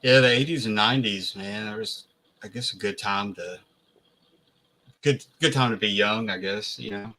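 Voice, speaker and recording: Low, bright-toned easygoing man in his forties. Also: moderate pace. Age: 40s. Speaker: podcast co-host. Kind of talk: casual chat.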